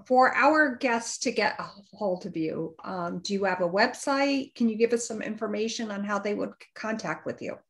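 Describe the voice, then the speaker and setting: A woman's voice: mid-range voice, normal speed, few pauses, a bit bright. A woman hosting a podcast interview, upbeat and appreciative toward her guest. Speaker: podcast host.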